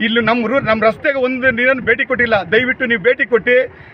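A man speaks at an extremely high pitch. Noticeable background noise can be heard. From Karnataka, Srirangapatna taluk (Mandya district). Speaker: farmers' association leader. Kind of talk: protest statement to press. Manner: halting.

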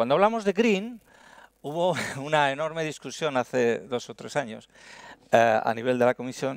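A man's fairly high-pitched voice at a moderate pace, dry with no echo, over a quiet background. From Basque Country, Spain (Hernani, Gipuzkoa); Basque Country, Spain. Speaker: business association president; conference speaker. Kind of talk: conference talk. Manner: halting, frequent repetitions. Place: hall. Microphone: headset.

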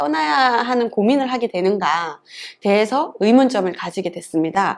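At a fairly high pitch, a woman speaks at a moderate pace with lively intonation, in a very clean recording with a silent background. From South Korea, Ulsan. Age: 40s. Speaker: local resident council member. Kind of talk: policy presentation. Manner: halting, many fillers.

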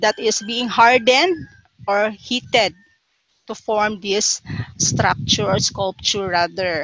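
Someone with a Filipino accent speaks at a very slow pace with ordinary pitch variation, in a dry sound with no echo over a quiet background. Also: woman. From Philippines. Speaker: teacher. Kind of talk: online class lecture. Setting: online class. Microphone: webcam.

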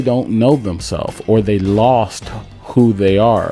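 A man speaks over faint background music. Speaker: baseball hitting coach. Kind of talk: tutorial. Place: home room. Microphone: studio mic.

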